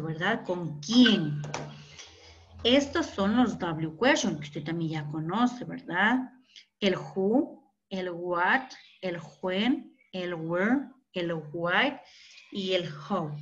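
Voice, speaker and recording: A woman teacher from Ecuador patiently explains English grammar, going slowly and often checking in with students by asking ¿verdad? and ¿ya?. Her voice is mid-range, and the recording has its highs cut off.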